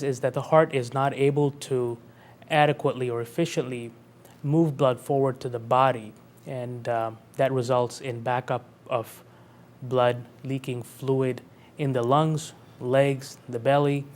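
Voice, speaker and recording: Man in his thirties as a cardiologist guest, calm and measured, with a mid-range voice. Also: mid-range voice. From Pakistan, raised in North Carolina. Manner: calm, measured, explains clearly with analogies. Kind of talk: explanatory interview answers.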